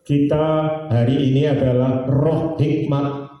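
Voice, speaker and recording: A man, preaching a sermon as pastor in a drawn-out, sing-song way with homely jokes. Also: on the high side, little pitch movement, dull audio, soft background music. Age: 70s. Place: church sanctuary. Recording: very echoey church hall, distant mic.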